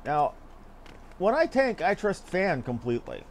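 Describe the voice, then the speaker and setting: A man's voice: high voice, sing-song, unhurried, slight background noise. A man giving casual, offhand gameplay commentary with geeky asides as he streams. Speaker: game streamer.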